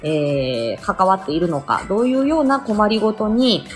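A woman's voice: mid-range voice, big pitch swings, normal speed, faint music behind. A middle-aged woman from Aomori, a speech therapist, chatting casually on a morning livestream and answering listener comments, with lots of fillers and laughs.

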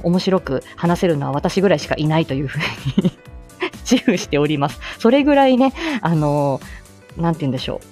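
A woman in her forties hosting a casual live stream, chatty and humble, laughing often and filling pauses as she greets listeners. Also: low-pitched, a little mellow.

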